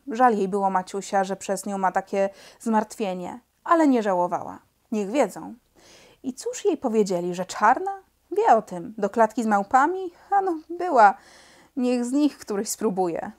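A woman reads a children's chapter book aloud with lively, expressive storytelling. Her voice sits at a middle pitch, and she shifts her tone easily as the story moves along. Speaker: audiobook reader.

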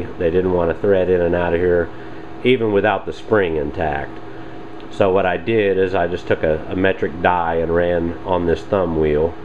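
A man calmly explaining, step by step, the work he is doing in his home workshop, recorded on a handheld camera. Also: deep voice, narrow, tinny audio, slight background noise. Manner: plain step-by-step explaining, unhurried. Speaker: hobby machinist reviewing a tool. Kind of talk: casual workshop demonstration. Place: home workshop with lathe and bench. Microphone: handheld camera mic, speaker off screen.

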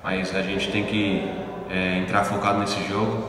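Deep flat-voiced footballer in echoey hall. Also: male voice, noisy background. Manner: halting, many fillers. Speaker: football player. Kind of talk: interview soundbite.

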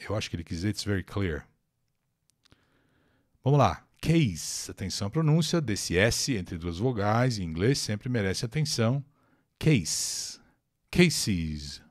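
A man's voice: on the low side, big pitch swings, a little slow. A man with a Brazilian accent teaching English in a live online lesson, reading a text aloud, translating it and explaining pronunciation while chatting with viewers. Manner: chatty, addresses viewers directly.

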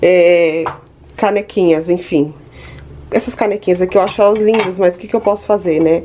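A woman's voice: fairly low pitch, fairly even intonation, a little fast, mellow, a little hiss or hum. A woman with a Brazilian Portuguese accent, in her thirties, chatting casually to her viewers in a home vlog from her kitchen. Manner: chatty, addresses viewers directly. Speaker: vlogger.

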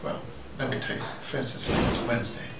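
A man hosting an informal monologue, telling anecdotes in a halting, digressive way and acting out both sides of exchanges. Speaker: host of a recurring spoken dispatch. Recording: noisy, roomy recording, distant from mic.

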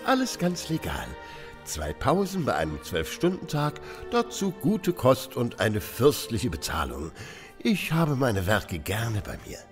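A man acts out an older tattoo artist in a radio play, smug, patronising and quietly menacing. His condescending, theatrical drawl swings widely in pitch, with faint music behind it. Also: huge pitch swings, slow pace. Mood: genial, smug. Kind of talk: German audio drama acting.

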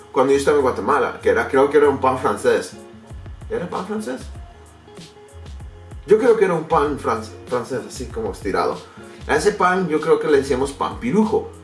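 A man's voice: on the high side, far from the mic. A man in his thirties vlogging casually to camera at home, speaking a second language he learned later, searching for words and restarting often. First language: English. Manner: animated, gestures a lot, searches for words and restarts. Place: bedroom or home office, indoors. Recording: echoey room, a bit off-mic, faint music.

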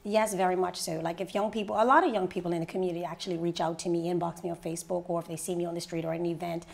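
A woman in her thirties from Bermuda, a radio personality and mentor, telling her story in a sit-down interview with lively, rising energy. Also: very fast, creaky. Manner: lively storyteller, rises high when excited. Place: living room set indoors.

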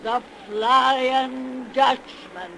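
A woman's voice: sits high, creaky, sharp tone, full character voice. An actress playing a cackling, folksy hundred-and-eleven-year-old witch, telling an eerie tale in 1930s radio horror style. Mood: eerie, relishing. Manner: slow, folksy, ominous storytelling. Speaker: horror series host character. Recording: noisy 1930s radio broadcast recording.

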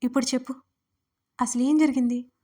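Woman voicing a caring young man, gentle and pleading. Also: extremely high pitch, fairly even intonation, moderate pace. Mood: worried pleading. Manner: pleading, soothing.

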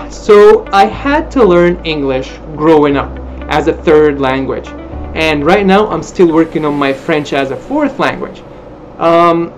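A language school presenter in his thirties, a native Armenian speaker from an Arabic-speaking Middle Eastern country, gives an informational talk to camera in a small room with a plain wall. He's lively and expressive, gesturing with his hands, and his voice is fairly high. The dull, lo-fi webcam audio has music in the background.

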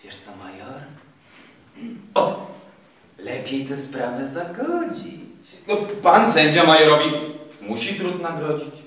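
A man playing a sly old army captain who coaxes in a low voice and quotes proverbs, in a stage recitation of verse heard in an echoey hall from far off. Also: big pitch swings, slow, pauses often, a bit bright, heavily acted. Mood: coaxing. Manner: low, coaxing, quoting proverbs.

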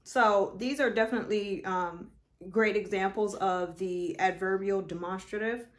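Woman in her thirties, African American accent, mid-pitched voice, informal teaching, thoughtful pauses. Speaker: presenter of an educational video. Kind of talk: informal explainer, reading examples from a book. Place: small indoor room, seated before a wall.

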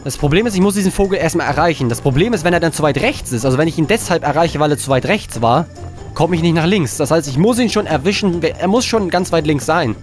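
A man giving live gameplay commentary as a let's play host, frustrated, swearing and talking himself calm, indoors at a desk. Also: on the high side, quick pace, faint music behind.

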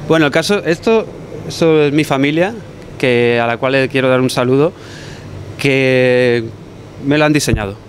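A young man, a chef, chatting quickly and casually in an interview in a restaurant kitchen, speaking into a handheld mic. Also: mid-range voice, slight background noise. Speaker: guest chef. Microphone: handheld reporter mic.

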